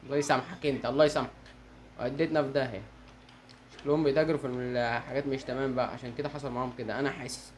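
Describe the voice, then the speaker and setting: Fast-talking Egyptian man gaming. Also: mid-range voice, a little hiss or hum. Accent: Egyptian Arabic. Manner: fast, excitable, talks to viewers. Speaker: gaming channel host. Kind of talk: gameplay commentary.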